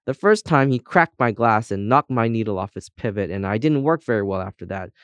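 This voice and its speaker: A man's voice: lowish voice, lively intonation, a little fast, clear, resonant tone, no echo, lightly acted. Man voicing a breezy, cocky female brass compass. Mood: breezy, cheerful. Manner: breezy, boastful, colloquial. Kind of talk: children's audiobook character voice.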